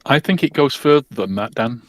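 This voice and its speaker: A man's voice: medium pitch, expressive, fairly quick, no room sound. Male panelist, hesitant casual explainer, close dry sound. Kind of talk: casual history discussion.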